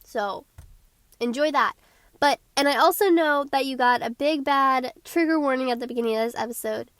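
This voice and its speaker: This podcast host is a teenage girl from Georgia, stuffy-nosed and eager, rattling off casual solo chatter at speed. She sounds high-pitched and slightly bright on a dry recording.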